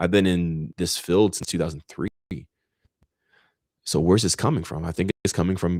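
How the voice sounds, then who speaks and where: In a relaxed tone, a man with a very deep, low pitch talks at a fairly quick pace with fairly even intonation and a dry, close sound with no echo. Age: 30s. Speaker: breathwork coach and livestream host. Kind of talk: casual livestream chat. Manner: relaxed, chill.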